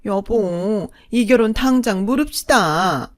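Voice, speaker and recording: A woman's voice: fairly high pitch, animated, moderate pace, darkish tone, voice pushed up, natural voice. A woman voicing a scornful middle-aged mistress who talks down to everyone in a condescending, sneering way. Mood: indignant.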